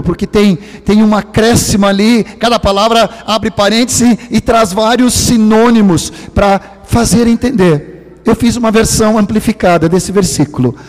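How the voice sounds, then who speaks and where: An older man from Sweden preaches with a Swedish accent, his voice sitting fairly high for a man. He lingers over key words and lets some phrases sink into near-whispers. His voice rings with the long reverb of a large hall. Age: 60s. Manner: dramatic, drops to hushed near-whispers for emphasis; slow, drawn-out stress on key words. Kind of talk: sermon.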